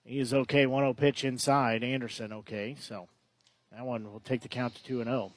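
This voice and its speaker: A man's voice: mid-range voice, flat delivery, moderate pace. A man calling a baseball game play by play, chatty and often correcting himself. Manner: conversational, self-correcting. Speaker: play-by-play announcer. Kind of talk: baseball commentary.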